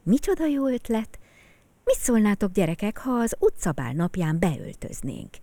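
Give me a gentle storybook teacher speaking softly, as a woman reads her. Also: medium pitch, big pitch swings, dry recording, pitched above the performer's own voice. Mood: delighted. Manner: soft, gentle and warm-spoken. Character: kind female kindergarten teacher.

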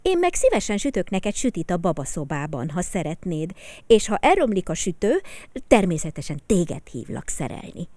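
Give me a lively little storybook girl, as a woman voices her. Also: on the low side, dry recording. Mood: eager. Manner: lively, chatty child. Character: bright, idea-full kindergarten girl.

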